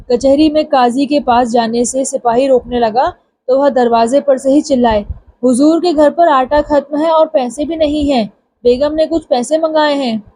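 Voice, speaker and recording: A woman narrating a humorous folk tale in plain, even storytelling. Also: sits high, husky.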